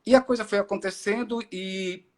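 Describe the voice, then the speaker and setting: Middle-aged guy from ceará, kinda high voice, rambling and reflective on a video call. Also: steady tone, moderate pace, a little mellow. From Ceará, Brazil. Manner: reflective storytelling with many fillers and restarts. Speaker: actor and director, guest. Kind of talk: casual interview on a live stream.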